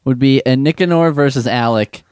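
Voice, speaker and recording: A man's voice: mid-range voice, moderate pace, a little mellow, clean tone, no room sound, clean studio sound. A man hosting a casual comedy quiz on a radio show in a mock-official way. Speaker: radio show host and quizmaster.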